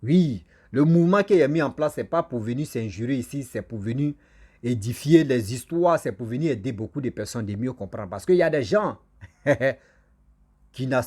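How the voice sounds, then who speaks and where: A man, whose first language is a local African language, telling a village legend to his viewers in a lively, repetitive style with frequent asides to them. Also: mid-range voice. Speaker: storyteller and channel host. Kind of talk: casual oral storytelling to viewers.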